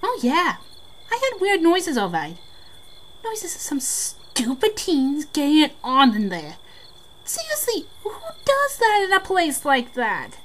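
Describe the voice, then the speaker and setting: A woman's voice: high-pitched, huge pitch swings, slow, fairly bright tone, a little hiss or hum, full character voice. A woman playing a brash young local telling haunted-house tales in an amateur audio drama, casual and dramatic. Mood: indignant amused. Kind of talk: amateur audio drama, scripted ghost storytelling.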